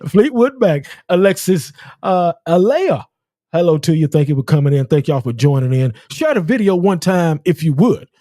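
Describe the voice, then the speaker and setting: Effusive man hosting, very animated pitch. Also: normal speed, no room sound, clean studio sound. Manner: effusive, repeats himself. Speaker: call-in show host. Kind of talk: casual live-stream chat.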